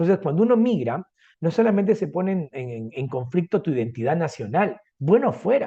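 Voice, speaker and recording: Against a quiet background, a man with a Peruvian accent speaks in a high pitch with a dark, mellow tone and very wide pitch swings. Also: moderate pace. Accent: Peruvian accent, consciously kept. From Peru, Lima. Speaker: academic, migrant writer. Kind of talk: interview.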